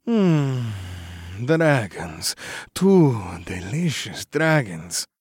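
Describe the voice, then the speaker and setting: A man's voice: medium pitch, very animated, very slow, slightly rough, no room sound, clean studio sound, full character voice. A man voicing a cocky male vampire club owner with a thick accent, smug and teasing. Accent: thick foreign accent.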